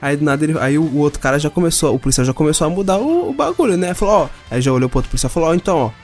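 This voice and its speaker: A young man from São spins a rowdy anecdote full of slang and curses. His high voice swoops up and down as he acts out each person. Faint music sits behind him. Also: racing. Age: young adult. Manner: lively storytelling, acting out other people's lines. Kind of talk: casual chat, animated anecdote with slang and swearing.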